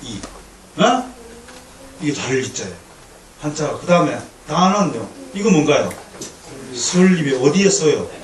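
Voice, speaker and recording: A man's voice: a little high, measured pace, pauses often. Preaching man in an echoey church. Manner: lively preaching with humor and call-and-response. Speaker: pastor. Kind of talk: sermon lecture to a congregation. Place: church sanctuary. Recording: echoey hall, distant mic, faint noise.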